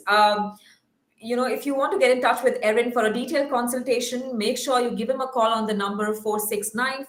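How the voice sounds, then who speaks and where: A woman hosting a question-and-answer episode on a video call, reading viewer questions aloud and thanking her guest politely. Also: on the high side. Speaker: show host. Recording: roomy echo.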